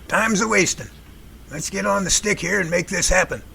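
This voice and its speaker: A man in an amateur audio drama playing a decisive rescue team leader with a brisk, reassuring manner. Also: high-pitched, creaky, sharp tone, slight background noise, full character voice.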